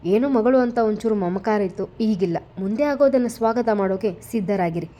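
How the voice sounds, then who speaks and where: A sneering, scheming father-in-law who mocks and threatens in a smooth, mellow tone, as a woman narrator puts him on. He keeps a sarcastic edge in a storybook reading. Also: medium pitch, brisk, natural voice. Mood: mocking threats.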